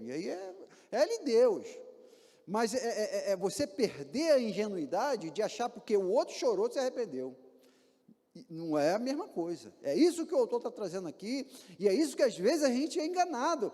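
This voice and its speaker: A Brazilian pastor delivers a sermon in a church with a high, expressive voice. He fires off rhetorical questions and acts out little scenes as he preaches. His words ring with long reverb from the hall. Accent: Brazilian Portuguese. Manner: animated preaching with rhetorical questions and acted-out examples.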